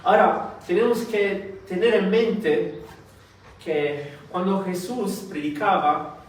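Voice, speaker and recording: A man's voice: high voice, slow pace. A shy man born in Italy, a Spanish speaker, preaching hesitantly with many fillers and restarts. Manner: soft-spoken, shy. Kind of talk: sermon with prayer. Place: church hall. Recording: distant mic in very echoey hall, faint noise.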